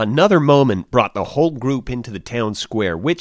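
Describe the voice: Lively intonation colors this plain reading aloud.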